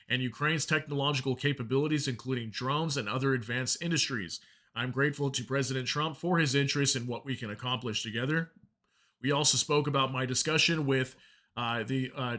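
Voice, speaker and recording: Bright, forceful man giving news commentary. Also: medium pitch. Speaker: news commentary channel host. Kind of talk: informal news commentary, reading out statements.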